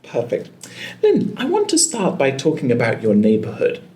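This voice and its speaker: A woman's voice: very deep voice, huge pitch swings, moderate pace, dark tone, roomy sound, a little hiss or hum. A woman acting as examiner in a mock speaking test, guiding the candidate and giving brief encouraging praise.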